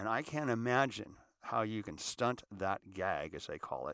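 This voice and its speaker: A man's medium-pitched voice with a bright, sharp tone and ordinary pitch variation, at a moderate pace, dry and close with no echo on a very clean recording with a silent background. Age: 60s. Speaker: podcast host and author. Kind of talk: casual monologue. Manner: halting.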